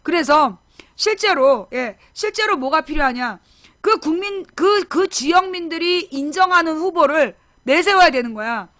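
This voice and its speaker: A middle-aged woman with a high, bright voice holds forth in a casual live-stream chat. She rambles, corrects herself mid-sentence, and speaks straight to her viewers. The close mic sounds dry, with no room around it. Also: expressive, unhurried, no room sound. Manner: rambling, self-correcting, talks directly to viewers. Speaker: political talk show host.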